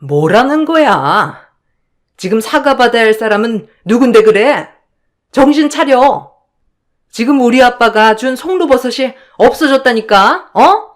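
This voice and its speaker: A woman's voice: fairly high pitch, animated, measured pace, voice pushed up. A woman voicing a furious, bullying elder sister-in-law who shrieks accusations and insults. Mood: indignant.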